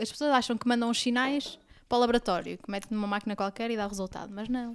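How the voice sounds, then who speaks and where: On a very clean recording with a silent background, a woman with a fairly high voice speaks at a very fast pace. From Porto, Portugal. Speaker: comedian and pathologist doctor.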